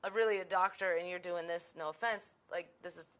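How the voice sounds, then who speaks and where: A woman's voice: fairly low pitch, fairly even intonation, brisk, a bit bright. A woman guest in a casual talk show conversation, chatty and quoting others in dramatized voices.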